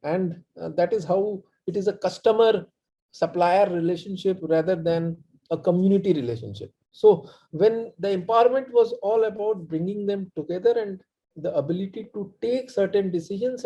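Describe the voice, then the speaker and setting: A man with an Indian accent explaining his work as a panelist in a halting, presentational way. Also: high voice, animated, dark tone. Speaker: panelist, community organizer. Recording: dull, muffled online-call audio.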